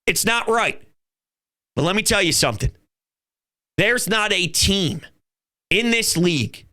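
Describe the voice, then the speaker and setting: A man's voice: fairly high pitch, pushed and bright. A man hosting his own fan channel, talking football in an emphatic, fired-up way and swearing now and then. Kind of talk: fan commentary vlog.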